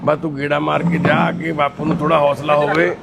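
A man's voice: fairly high pitch, level tone, fairly quick, gravelly. A man working as a charity volunteer, talking in a consoling, brotherly and firm way. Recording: loud background noise.

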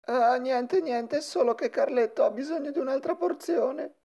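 A woman's voice: sits high, normal speed, gravelly, mellow. A woman voicing a jumpy, frightened young schoolboy in a cartoon fandub. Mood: nervous.

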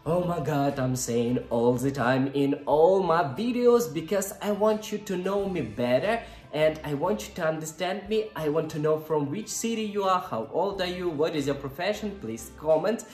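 A man's voice: on the high side, animated, normal speed, a little mellow. Effusive man in his twenties. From Ukraine. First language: Russian and Ukrainian. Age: 20s. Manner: effusive, exclaims often, simple non-native English. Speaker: YouTube reaction host. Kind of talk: casual reaction vlog. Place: indoor room, seated before an ornate armchair. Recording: echoey room with faint music.

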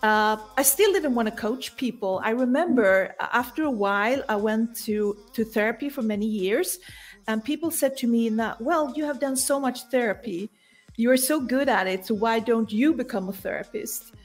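A woman's voice: fairly high pitch, normal speed, faint music behind. A middle-aged woman from Sweden with a Swedish accent, telling her story conversationally as an interview guest on a video call. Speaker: guest, coach. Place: home room indoors.

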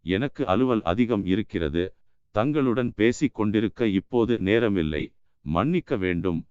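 A man's voice: on the low side, animated, measured pace, a little mellow, clean tone, no room sound, dull audio. Scornful jealous army general, read by a man. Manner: scornful, curt.

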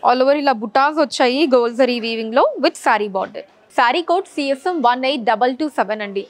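Young woman, fairly high voice, polite sales presenter, steady listing. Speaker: saree store presenter. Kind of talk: product showcase. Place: large saree showroom, indoors.

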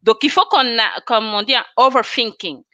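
A woman's voice: on the high side, moderate pace, pushed and bright, no echo. A woman in her thirties, a chemist and cosmetics consultant, talking animatedly as a guest on a video call interview and laughing often. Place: small room indoors. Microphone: webcam on a video call.

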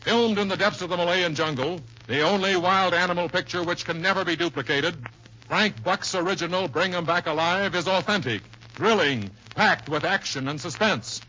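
A man's voice: sits high, normal speed, pushed and bright. A man making a declamatory, dramatic advertising announcement in 1930s radio style. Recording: muffled, noisy 1930s radio recording.

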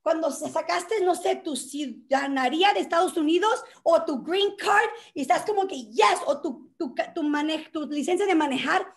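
High-voiced energetic woman coach. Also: moderate pace, few pauses. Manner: energetic, mixes Spanish with English words. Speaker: workshop host. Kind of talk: motivational workshop talk. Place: home.

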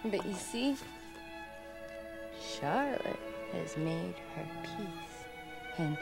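An actress playing a scornful, wounded young gypsy psychic in a dramatic video game cutscene. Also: female voice, on the low side, expressive, drawn-out words, creaky, exaggerated voice. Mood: anguished. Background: music.

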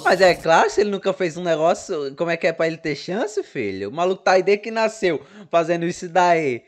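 A man's voice: high-pitched, big pitch swings, fairly quick, slight background noise. A young Brazilian man giving casual, slangy reaction commentary full of swearing, close on the microphone. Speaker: reaction video host. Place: small room indoors. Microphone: close microphone on a boom arm. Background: cartoon audio with music.

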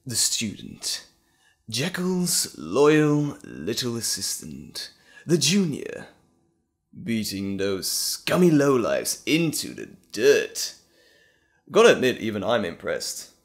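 Casting: sinister evil-twin villain for audio roleplay, slow, savoring pace, highly animated pitch, mocking and gloating. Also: male voice, heavily acted. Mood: amused, impressed. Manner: mocking, drawn-out, theatrical delivery with chuckles. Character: gloating, sinister male evil alter ego, theatrical villain.

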